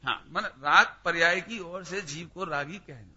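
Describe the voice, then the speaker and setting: A man's voice: fairly high pitch, normal speed, pushed and bright, husky. A man teaching a scripture study class, questioning his listeners by name and pressing each point emphatically. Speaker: religious teacher. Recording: dull lo-fi recording.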